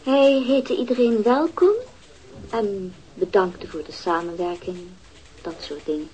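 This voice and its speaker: A woman as a guarded wealthy widow, measured and evasive, radio drama. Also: mid-range voice, steady tone, warm tone, close to an everyday voice, rough recording.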